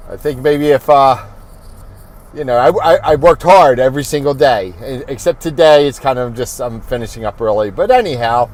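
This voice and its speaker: A man talking through an informal corporate training video as an insurance agent, thinking aloud in a halting, rambling way. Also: mid-range voice, darkish tone.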